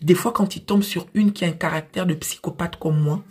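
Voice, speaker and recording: A young adult woman with an African French accent and a husky voice, giving frank, emphatic advice straight to the camera like a big sister. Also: lowish voice, fairly even intonation, fairly quick, warm tone. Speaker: social media advice creator. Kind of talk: direct-to-camera advice talk. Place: small dim indoor room. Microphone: phone at arm's length.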